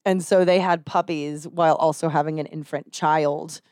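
A young woman with a light Texan accent hosts a relaxed podcast conversation, laughing easily and teasing her guest. Her voice sounds dry and close, with no room echo. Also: low-pitched, moderate pace. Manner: laughs often, playful. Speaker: podcast host. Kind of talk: casual chat.

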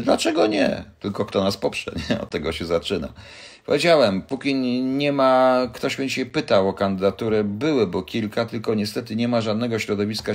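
Low-voiced older man chatting loosely. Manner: rambling, joking, addresses viewers directly. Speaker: livestream host answering viewers. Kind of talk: casual live chat.

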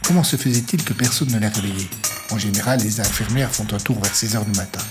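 Male storyteller, low pitch, steady measured read, music bed throughout. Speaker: narrator. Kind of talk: scripted narration of an audio story. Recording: music playing under the voice.

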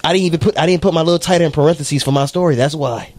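A man's voice: on the high side, rapid-fire, a little mellow. A young man co-hosting a podcast, telling rambling, profane stories in a casual chat. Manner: rambling, profane storytelling with laughs. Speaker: podcast co-host.

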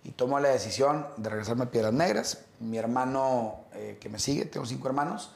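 A middle-aged man, telling stories as an interview guest in a relaxed, rambling way with many fillers and restarts. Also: medium pitch, a little fast, creaky, reverberant. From Mexico. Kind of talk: casual interview conversation.

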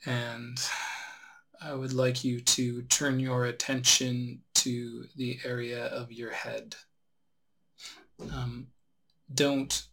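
Male meditation instructor, crisp bright tone with plenty of vocal fry, unhurried step-by-step guidance. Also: mid-range voice, low-quality recording. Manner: unhurried instruction with long pauses. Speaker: meditation teacher. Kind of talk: guided relaxation meditation instruction.

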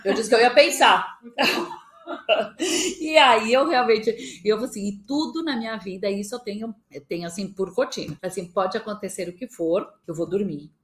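A woman in her fifties from Brazil, a podcast guest telling her story in a lively, animated way. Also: medium pitch, moderate pace. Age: 50s. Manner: lively, animated retelling with quoted dialogue. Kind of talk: casual storytelling interview. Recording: echoey room.

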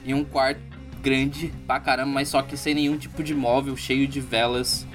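A man's voice: medium pitch, little pitch movement, moderate pace, soft background music. A man playing a tabletop roleplay game, casually describing what his character does. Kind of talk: casual in-game action narration.

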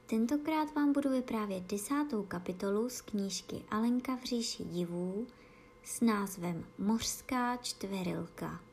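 A woman reading a bedtime story aloud in a soft, hushed narrating voice. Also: mid-range voice, a little hiss or hum.

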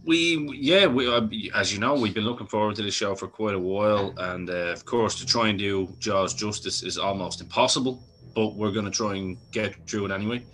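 Chatty podcast host, low and bright. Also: male voice, a little fast, few pauses, a little hiss or hum. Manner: chatty, swearing, laughs easily. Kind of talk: casual film chat.

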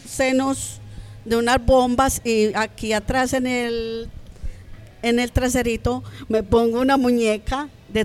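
A woman, a podcast guest, telling her own story in an animated, conversational way. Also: a little high. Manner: animated, acts out quoted voices.

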